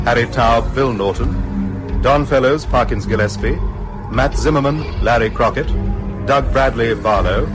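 A man reading scripted closing credits as a radio drama announcer. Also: medium pitch. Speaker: continuity announcer.

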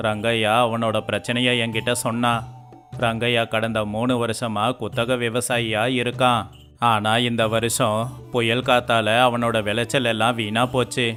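Flat-voiced man reading story dialogue. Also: medium pitch, moderate pace. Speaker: voice actor for all male figures. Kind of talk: scripted dialogue of an animated moral story. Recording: faint music underneath.

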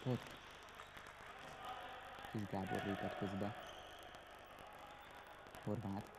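A man with a low voice commentates live on an indoor football match. He calls the play in short, clipped phrases and rises to excitement at shots. Loud hall noise runs heavily behind him. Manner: terse, names players as they get the ball. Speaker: sports commentator. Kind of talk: live Hungarian-league futsal match commentary. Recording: very noisy sports hall recording. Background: loud indoor sports hall ambience.

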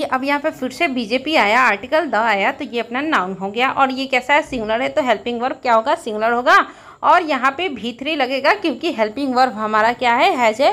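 A woman's voice: sits high, normal speed, a bit bright. A woman teacher explaining English newspaper editorial vocabulary and grammar, often asking a question and answering it herself. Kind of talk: editorial analysis lesson.

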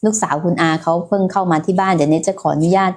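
A woman's voice: on the low side, steady tone, very fast, a little mellow. A woman hosting a casual health livestream, talking in a chatty way and speaking straight to her viewers. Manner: chatty, many fillers, addresses viewers directly.

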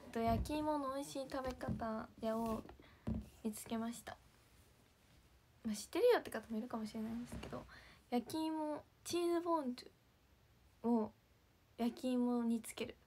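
A woman's voice: on the high side, a little fast, long pauses, dark tone, a little hiss or hum. A young woman chatting casually to viewers on a livestream, giggling and sometimes dropping to a whisper. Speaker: idol livestream host.

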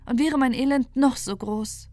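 A woman's voice: sits high, moderate pace, mellow, close to an everyday voice. A woman doing an earnest young wife. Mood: gentle, grateful. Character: distressed young wife, devout and gentle.

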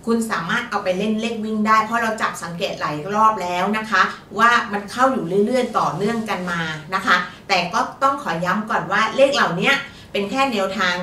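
A woman's voice: mid-range voice, pushed and bright. A woman co-hosting a fortune-telling show, chatting politely and giving lottery tips. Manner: polite, chatty, frequent particles. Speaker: fortune teller co-host. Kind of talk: casual lottery-tip talk. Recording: roomy, distant mic, faint noise.

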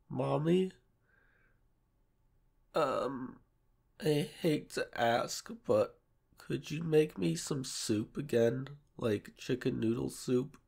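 A man voicing a shy, submissive, sick young boyfriend in an ASMR audio roleplay, congested and soft, with hesitant, pleading delivery. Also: mid-range voice, vocal fry, slightly rough, heavily acted. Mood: weary, pleading. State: sick, sore throat, stuffy nose.

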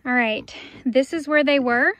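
A woman's voice: high voice, unhurried. Young woman chatting outdoors on a farm. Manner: chatty, talks to the animals in a soft baby voice. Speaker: farm vlogger. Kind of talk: casual chat. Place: outdoors on a farm among animals. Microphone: phone camera, often held at arm's length. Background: farm animals and outdoor ambience.

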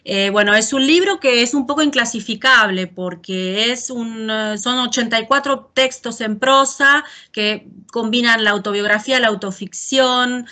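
A woman's voice: fairly high pitch, normal speed, few pauses, pushed and bright. A woman, a university lecturer, hosting a video-call interview, introducing her guest and asking questions with articulate enthusiasm. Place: home room. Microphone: video call webcam.

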